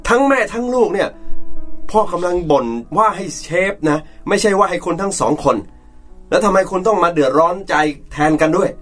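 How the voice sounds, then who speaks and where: A man plays a domineering wealthy businessman and father with a high-set voice. He talks in a bossy, scolding, self-righteous way, and faint music plays under the drama scene. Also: lively intonation, brisk, fairly bright tone. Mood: indignant. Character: domineering rich middle-aged businessman father.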